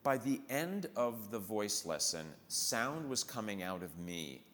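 A man who performs in musical theater, telling lively anecdotes in conversation and acting out the people he quotes. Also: on the low side, a little slow, long reverb tail, a little hiss or hum. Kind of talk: storytelling in a conversation.

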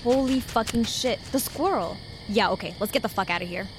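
A woman's voice: medium pitch, fairly quick, a little hiss or hum, close to an everyday voice, low-quality recording. A woman playing a stubborn, adventurous young woman in an audio drama, with sarcastic, colloquial delivery. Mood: shaken. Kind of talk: audio drama acting, casual dialogue. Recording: clear outdoor night ambience with crickets.

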